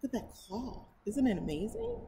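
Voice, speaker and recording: Speaking at a moderate pace with a slightly high pitch, a middle-aged American woman leads a library storytime, reading a picture book aloud with lively enthusiasm, exclamations, and chatty remarks. She's indoors in front of a painted mural, with clear, steady noise in the background.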